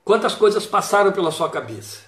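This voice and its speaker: A man's voice: high-pitched, sing-song, a little fast, a bit bright, echoey room. A man preaching a sermon, retelling a Bible story with quoted dialogue and reflective asides.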